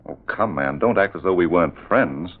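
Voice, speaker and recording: An actor playing an earnest, eager detective in an old-time radio mystery, direct and inquisitive. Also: male voice, deep voice, expressive, fairly quick. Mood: earnest, insistent. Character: earnest, eager male detective friend of a priest. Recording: tinny, narrow old radio recording.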